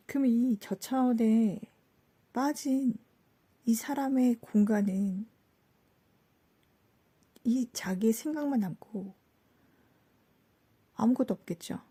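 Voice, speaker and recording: A woman hosting a spiritual talk, telling an anecdote in a casual, animated way, acting out quoted lines and asking the listeners rhetorical questions. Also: on the high side, breathy edge. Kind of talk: casual storytelling lecture.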